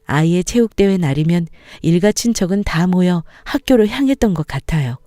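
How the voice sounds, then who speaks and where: A woman narrating a family story in a calm, gentle way. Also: on the low side, a little fast, no room sound, clean studio sound.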